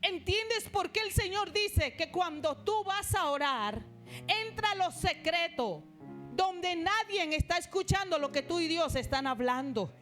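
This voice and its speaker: A woman's voice: very high-pitched, lively intonation, measured pace, fairly bright tone, faint music behind. A woman pastor with a Colombian Caribbean accent, preaching an emphatic sermon in a church. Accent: Colombian Caribbean Spanish. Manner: emphatic preaching, rising to exclamations. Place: church sanctuary.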